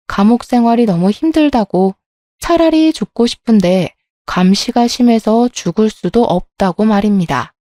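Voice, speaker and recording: A woman reads a first-person life story aloud in a steady, scripted way, with an indignant edge. Her voice is dark and mellow, recorded close and dry with no room sound around it. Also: medium pitch, no echo. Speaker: story narrator.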